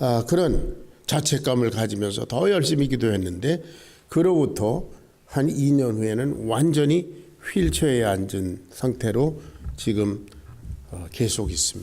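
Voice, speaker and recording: Speaking very slowly, a man with a medium pitch and a dark, mellow tone uses very wide pitch swings and vocal fry, with audible room echo around him. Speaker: retired pastor. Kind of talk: sermon. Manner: frequent filler sounds, halting.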